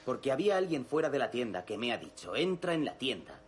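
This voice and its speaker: A man's voice: medium pitch, sing-song, fast talker, a little hiss or hum, close to an everyday voice. A combative young shoplifter, played by an actor whose voice swings widely as he argues. He talks back with sarcastic defiance. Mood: defiant. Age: young adult. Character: defiant young male shoplifter caught in a store. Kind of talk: dubbed film drama.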